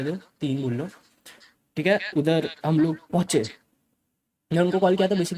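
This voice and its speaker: A man's voice: a little high, darkish tone. A young man telling his viewers a story in a casual way. He talks emphatically, mixes English phrases into his speech and keeps dropping in "okay" as a filler. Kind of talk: casual spoken account to viewers.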